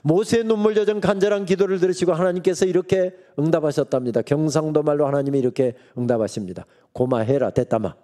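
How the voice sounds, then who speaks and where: A man's voice: a little high, quick pace, few pauses, dark tone. A middle-aged man preaching a revival sermon in a church, telling the story with humor and acting out the characters' lines. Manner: storytelling preacher who acts out God's and Moses' lines with humor. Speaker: guest pastor preaching at a revival meeting. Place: church sanctuary.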